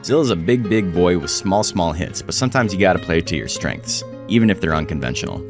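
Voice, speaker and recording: A man narrating a scripted video essay in a blunt, casual way that includes free swearing, his voice hoarse, cracking and frying. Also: low-pitched, expressive, fairly quick, music in the background. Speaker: host of a game strategy channel.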